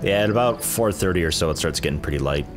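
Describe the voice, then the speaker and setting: A man casually chatting with a friend while playing a co-op game, relaxed and muttering as he sorts items. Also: deep voice, quick pace, music in the background. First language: English. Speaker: gaming channel host. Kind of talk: casual co-op gameplay chat.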